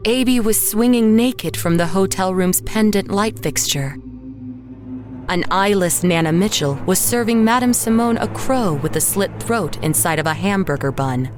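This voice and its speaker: An actress playing a haunted woman painter who narrates horror in a measured, literary way. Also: on the low side, soft background music, natural voice. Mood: uneasy, haunted. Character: haunted woman painter narrating her own murder, dazed and grim. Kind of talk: first-person horror audio drama narration.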